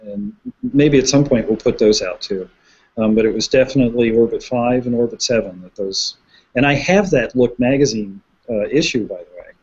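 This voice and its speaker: A man explains his research in a careful, measured way, with many pauses and fillers, in an online video chat. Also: mid-range voice, darkish tone, slightly rough. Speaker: visualization researcher guest. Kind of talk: conversational explanation. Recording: slightly muffled web broadcast.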